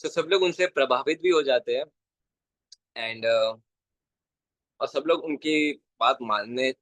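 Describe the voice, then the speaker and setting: A man's voice: medium pitch, fairly bright tone, no echo. A young man telling a devotional story in an earnest way, repeating phrases for emphasis and mixing in English words. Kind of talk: Hindi devotional story talk.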